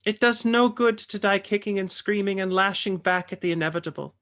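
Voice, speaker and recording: A woman playing a calm, solemn village elder who preaches in a measured, creaky voice in a dramatic table read. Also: medium pitch, close to an everyday voice. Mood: grave, fervent.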